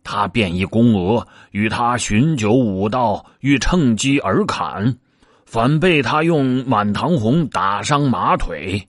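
A sly pig disciple coaxes and pleads, stumbling over fillers, as a man voices him. He talks slowly with a husky voice that rises and falls a lot. The recording is dry. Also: mid-range voice, expressive, dry recording. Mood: coaxing. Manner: coaxing, pleading, hesitant fillers.

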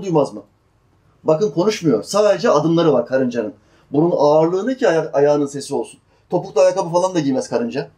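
In a warm voice that sits on the high side, a man preaches on the Quran. He chants verses slowly, explains them plainly, and quizzes his listeners before supplying the answers.

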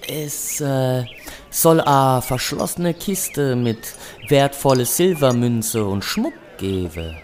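A man's voice: medium pitch, expressive, slow, darkish tone. A man playing a greedy, roguish medieval trader in a historical audio drama, talking colloquially with sly eagerness. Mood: sly, covetous. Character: greedy, roguish male traveling trader of twelfth-century legend.

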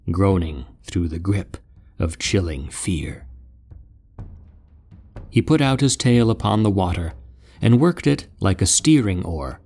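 A man narrating an epic tale in a grave, measured storytelling manner. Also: low voice, darkish tone.

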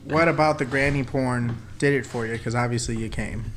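A man co-hosting a podcast, talking in crude casual banter, loud, teasing and laughing often. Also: medium pitch, fairly even intonation, a little fast, music in the background. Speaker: podcast co-host.

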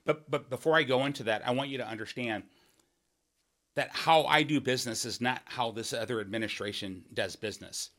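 A man's voice: mid-range voice, brisk, a bit bright. Emphatic man making a campaign case. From Washington State. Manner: earnest and emphatic, with frequent restarts and rhetorical "right?" asides. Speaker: political candidate hosting a podcast. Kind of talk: campaign podcast monologue.

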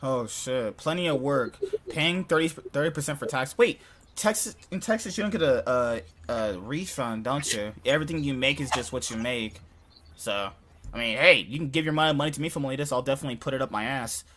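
A man's voice: medium pitch, a little fast, a bit bright, a little hiss or hum. A man in his twenties hosting a podcast, joking crudely and laughing often in casual chat. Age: 20s. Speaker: podcast host.

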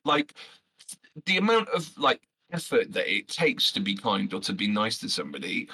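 A man, a loud and brash podcast guest talking passionately with lots of fillers and some swearing. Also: lowish voice, normal speed, husky, low-quality recording. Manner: animated, swears freely, many fillers. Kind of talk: passionate casual chat.

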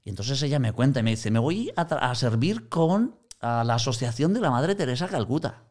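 A man's voice: medium pitch, fairly quick. A man in conversational teaching on Christian mission, telling anecdotes and acting out quoted voices. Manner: animated storyteller, acts out quoted voices.

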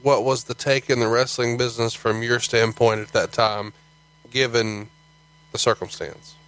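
A man's voice: mid-range voice, fairly even intonation, moderate pace, fairly bright tone, rough recording. Male podcast host, mid-range voice, conversational interviewer who presses for details. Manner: probing, leads with follow-up questions.

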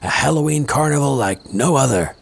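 Creaky, sardonic slacker hustler. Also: male voice, medium pitch, expressive, a little fast. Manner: casual, wisecracking, slangy. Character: sardonic, foul-mouthed slacker hustler, casually protective.

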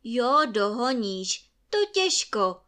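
A woman's voice: high voice, animated, a bit bright, voice pushed up. A woman voicing a grumpy older woodcutter who scolds his son angrily. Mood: scolding. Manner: angry, scolding.

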